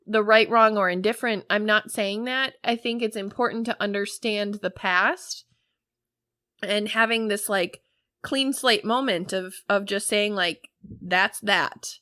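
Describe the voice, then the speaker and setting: A woman's voice: mid-range voice, bright, forceful tone, smooth, dry recording, studio quality. A woman hosting a podcast, speaking in an emphatic, enthusiastic way. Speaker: podcast host. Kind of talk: casual podcast discussion.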